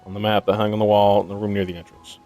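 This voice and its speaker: A sleep-deprived man thinking aloud as he plays a puzzle game, muttering haltingly to himself in casual commentary. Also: lowish voice, flat delivery, mellow. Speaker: gaming video host. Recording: music behind the voice. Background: game music.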